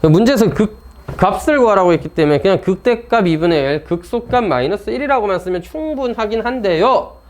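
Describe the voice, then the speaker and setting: A male math teacher with a slightly high voice works through problems in a loose, chatty lecture. He talks to himself as he goes and gets blunt, teasing the textbook along the way. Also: animated, a little fast.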